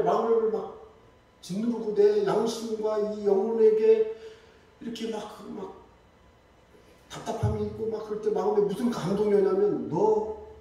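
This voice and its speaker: A man delivers a Sunday sermon with animated storytelling and acts out the lines of the people in his stories. His voice sits high for a man. It rings through a very echoey church hall and is picked up from some distance away. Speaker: pastor. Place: church sanctuary.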